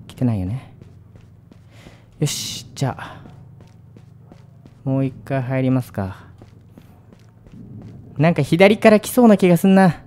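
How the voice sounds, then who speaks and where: A man's voice: mid-range voice, big pitch swings, measured pace, pauses often, a little mellow, slight background noise. A man hosting a gaming video, commentating on a horror game in speech, shifting between muttering and jumpy outbursts.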